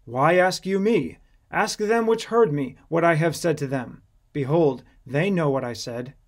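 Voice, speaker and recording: A man voicing a calm, resolute holy teacher on trial in a scripture audiobook, measured and firm. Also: fairly high pitch. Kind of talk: dramatized scripture audiobook reading.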